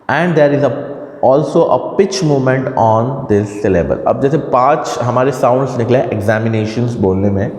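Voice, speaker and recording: A man's voice: mid-range voice, darkish tone. An Indian man, a college teacher, lecturing a class step by step, asking and answering his own questions and correcting his slips. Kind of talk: classroom lecture mixing Hindi and English. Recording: echoey room with long reverb.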